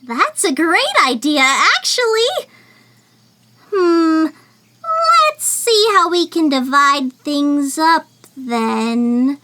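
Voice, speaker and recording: A woman's voice: high-pitched, animated, drawn-out words, sharp tone, a little hiss or hum, heavily acted. A woman playing a peppy, helpful young female monkey tour guide in an audio drama. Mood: thoughtful. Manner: cheerful, explanatory. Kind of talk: audio drama character acting.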